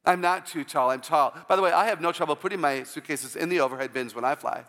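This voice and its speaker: A woman with a low voice, often taken for a man's, giving an inspirational church talk full of humorous personal stories and call-outs to the audience. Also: fast talker, fairly bright tone, big-room sound, slight background noise.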